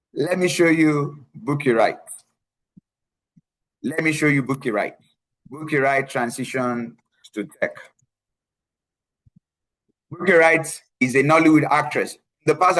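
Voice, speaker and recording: A man's voice: a little high, a bit bright, low-quality recording. A man coaching a live online class on tech careers, speaking emphatically, repeating key phrases and often checking in with "right?". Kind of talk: live online presentation with screen share.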